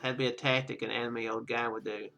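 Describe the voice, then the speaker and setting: A man's voice: mid-range voice, level tone, a little fast, gravelly, sharp tone, faint music behind. A man hosting a gaming video, reading a visual novel aloud with casual commentary and stumbling over lines as he goes. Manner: stumbles over read lines and corrects himself.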